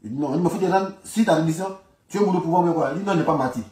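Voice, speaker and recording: Fairly high-pitched, racing along, and a little mellow, a man with an Ivorian accent offers informal political commentary. He talks colloquially and repeats phrases for emphasis, and he's distant from the mic in an echoey room.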